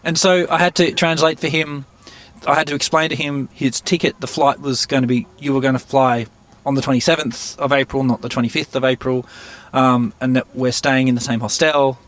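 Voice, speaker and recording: Halting man, mid-pitched. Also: little pitch movement, a bit bright. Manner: halting, searching for words, laughs often. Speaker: interviewee, musician. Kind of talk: casual storytelling interview.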